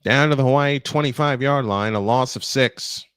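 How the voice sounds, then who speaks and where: A man calling a football game play-by-play, steady between downs and surging with excitement on big plays, sometimes correcting himself mid-call. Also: medium pitch, moderate pace, clear, resonant tone, no room sound. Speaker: play-by-play announcer. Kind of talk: play-by-play commentary.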